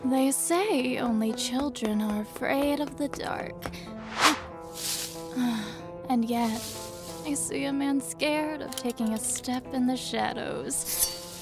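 Woman acting a slow, sinister, taunting villainess. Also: sits high, loud music behind the voice, voice pushed down.

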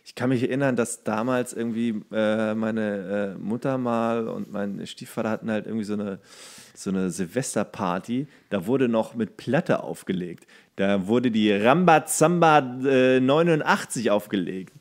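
A man's voice: lowish voice, normal speed. A man hosting a podcast, telling anecdotes in casual, colloquial, comedic chat. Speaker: podcast host.

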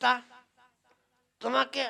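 A woman playing a nosy, teasing questioner in a comic puppet play, inquisitive and deliberate. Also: pushed and bright. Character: nosy, teasing questioner quizzing a dying man.

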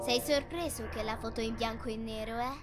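A woman as a high, knowing ghostly teen girl. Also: fairly even intonation, fairly quick, music in the background, close to an everyday voice. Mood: knowing, sad. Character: bossy, melancholy ghostly teenage girl performer. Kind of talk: horror story voice acting.

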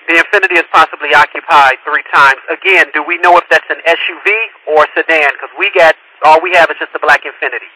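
A man's voice: a little high, steady tone, quick pace, hardly any pauses, bright, forceful tone. A man working as a police radio dispatcher, relaying and repeating reports in a clipped, procedural way over the radio. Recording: noisy police scanner radio recording.

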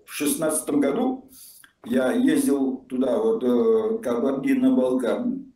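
A man's voice: mid-range voice, steady tone, a little slow, warm tone. Older man over a distant echoey call. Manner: blunt, mocking, swears. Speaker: video chat stranger. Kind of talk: casual argumentative chat. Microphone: remote video call audio.

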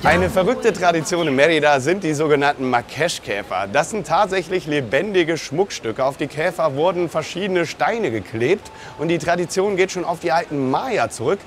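A man's voice: a little high, lively intonation, moderate pace, hardly any pauses. A man in his thirties hosting a travel vlog outdoors, chatty and joking with his companions. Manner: jokey, chatty. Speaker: travel show host. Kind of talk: casual travel vlog presenting. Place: outdoors at ruins and city squares. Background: background music.

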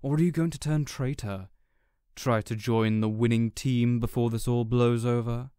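A man's voice: mid-range voice, steady tone, moderate pace, dark tone, clean tone, dry recording, lightly acted. Guy doing a smug villain in an audio rp, cold mocking drawl, menacing, dry sound. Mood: smug, taunting. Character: smug, menacing male arch-nemesis, coldly taunting. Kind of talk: audio roleplay villain monologue.

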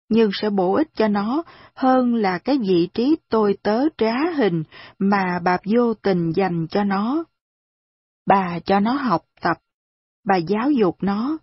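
A woman reading aloud voices a stern, gruff old man who gives blunt commands, in a slightly husky voice on a dull, dry recording. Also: medium pitch, no echo.

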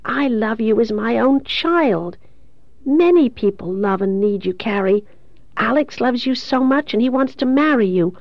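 A woman's voice: a little high, lively intonation, a little slow, no echo, dull audio. A woman voicing a tender, protective motherly woman in an audiobook, soothing and urgently pleading. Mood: insistent, loving.

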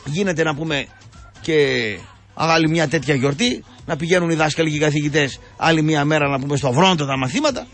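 A man's voice: a little high, fairly bright tone, faint music behind. An older man, a radio host delivering an indignant, sarcastic rambling monologue full of fillers.

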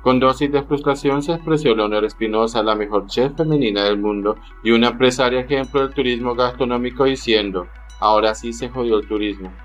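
A man giving an even, formal reading of an opinion column. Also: medium pitch, fairly quick, hardly any pauses, faint music behind. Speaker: column reader.

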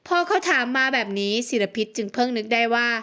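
A woman narrating a romance audiobook in a steady, expressive reading. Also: fairly high pitch, fast talker, smooth. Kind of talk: scripted narration.

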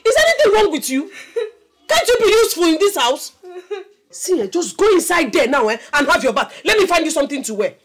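A woman's voice: fairly high pitch, sing-song, moderate pace, a little mellow, breathy edge. An actress with a Nigerian accent playing an emphatic mother in a film drama, given to scolding and reassuring. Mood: exasperated, scolding. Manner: emphatic, repeats rhetorical questions and tag words.

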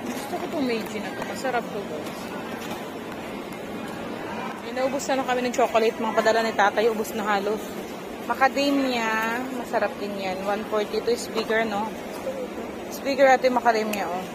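A woman's voice: a little high, normal speed, pauses often. A woman in her forties chatting to viewers about items as she shops, talking into a phone held at arm's length. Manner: chatty, addresses viewers while shopping. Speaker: vlogger. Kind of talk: casual shopping vlog. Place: busy supermarket aisles, indoors. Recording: loud crowd and store noise.

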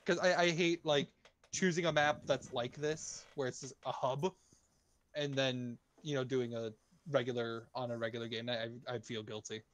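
Man with uneven volume, halting gaming chat. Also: mid-range voice, steady tone, fairly bright tone. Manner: halting, repeats words and restarts. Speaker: game map builder hosting a group voice chat.

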